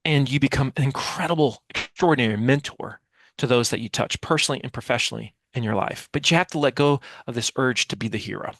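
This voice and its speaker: A man's voice: mid-range voice, fast talker, a bit bright, dry recording. A man in his forties explaining ideas as an interview guest, emphatic and full of rhetorical questions, on a headset mic. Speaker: guest, communication expert and author. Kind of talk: explanatory interview talk with acted-out example dialogue. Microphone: headset mic on a video call.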